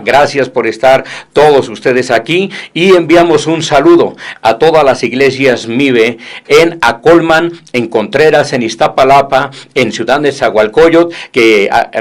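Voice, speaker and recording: A man hosting a Christian radio program, talking in an earnest, preachy way with rhetorical questions. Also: mid-range voice. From Mexico.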